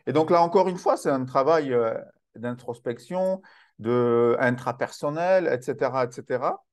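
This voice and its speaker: A man hosting a conversational interview, speaking in a halting, reflective way and repeating words as he thinks. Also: mid-range voice. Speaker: host.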